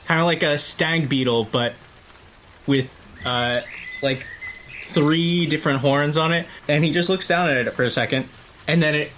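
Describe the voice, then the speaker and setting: A man playing a tabletop game, casually narrating his character's moment in halting phrases. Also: fairly high pitch, fairly bright tone, a little hiss or hum. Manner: halting, pausing. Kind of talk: casual improvised storytelling.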